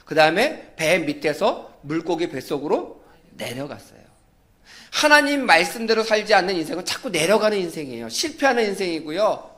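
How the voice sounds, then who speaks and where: A man with a high voice preaching a Sunday sermon. He tells his stories in a lively way and acts out the people in them. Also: normal speed. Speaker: pastor.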